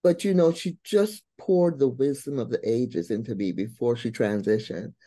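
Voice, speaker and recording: A middle-aged woman from Barbados, a guest on a video call who tells her life story with warm, expressive emphasis. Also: very deep voice, moderate pace, dry recording. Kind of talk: interview storytelling.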